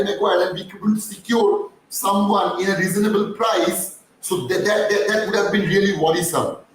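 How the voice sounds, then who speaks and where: A man talks at a moderate pace with fairly even intonation. His voice is high, and background noise is noticeable. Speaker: football YouTuber. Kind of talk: live stream commentary. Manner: soft-spoken; halting.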